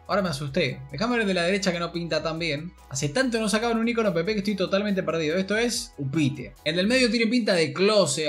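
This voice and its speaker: Young man, Argentine accent, excitable gaming commentary, slangy, slightly high voice, faint background music. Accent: Argentine Spanish. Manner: excitable, slangy, swings between mutters and shouts. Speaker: gaming YouTuber. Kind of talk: pack-opening commentary.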